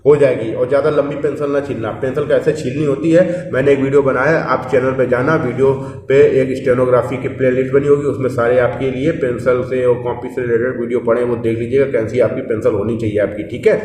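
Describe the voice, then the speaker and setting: A man's voice: medium pitch, fairly even intonation, quick pace, hardly any pauses, darkish tone, far from the mic, a little hiss or hum. A man teaching a shorthand class, explaining one symbol at a time and keeping checking whether the students follow. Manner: explains step by step, keeps asking "ठीक है" and "समझ में आया". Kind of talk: classroom lesson. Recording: echoey room, mic from afar.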